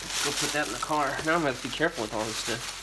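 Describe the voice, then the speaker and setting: Here a storage auction buyer and reseller who vlogs, a middle-aged American man, talks rapid-fire in a mid-range voice. He unboxes in a storage unit with a concrete floor, offering loose, off-the-cuff commentary as he thinks out loud. Loud rustling, crumpling and clicking run behind him on a noisy handheld track full of crinkles and clicks.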